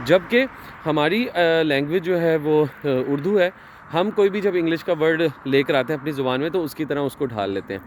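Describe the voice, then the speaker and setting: Outdoors in a town, a Pakistani man with a fairly high voice vlogs about his travels in a relaxed, chatty way. He pauses on fillers and restarts mid-sentence while faint street noise and passing traffic carry on behind him.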